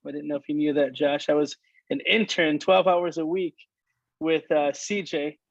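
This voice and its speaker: A man's voice: a little high, steady tone, creaky, dry recording, lo-fi sound. A man in his late thirties from Michigan, chatting casually about his life with frequent restarts and fillers. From Michigan, United States. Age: late 30s. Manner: halting, many restarts and fillers. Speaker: worship leader guest. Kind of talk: casual conversation.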